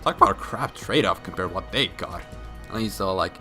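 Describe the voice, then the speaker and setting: A drunk man tells a story in a casual, comedic recap. His voice is low and forceful, and he rambles and swears with emphatic outbursts. Faint music plays behind him. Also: expressive, brisk. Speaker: video game storyline explainer. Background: background music.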